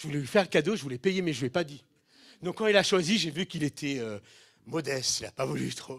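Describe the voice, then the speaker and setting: A man speaks at a very fast pace with a fairly high pitch, vocal fry and an animated tone. His intonation is lively, his loudness swings widely, and the recording is very clean with a silent background. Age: 60s. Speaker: pastor. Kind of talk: sermon.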